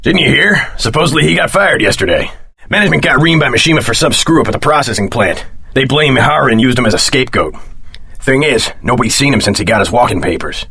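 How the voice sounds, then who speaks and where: A man's voice: mid-range voice, expressive, fast, creaky, bright, forceful tone, slightly rough, no room sound, clean studio sound, full character voice. A man voicing a weary, gossipy facility guard in a video game, griping in a conspiratorial way. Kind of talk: video game character dialogue.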